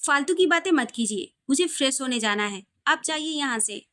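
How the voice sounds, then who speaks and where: A woman's voice: high voice, lively intonation, normal speed, bright, forceful tone. A woman voicing a guarded young wife, shy but firm, in a romantic audio story.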